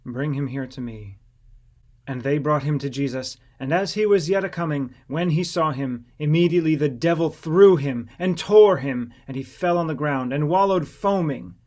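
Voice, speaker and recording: Male narrator for scripture audiobook, somewhat higher-pitched voice, measured and solemn delivery. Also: darkish tone.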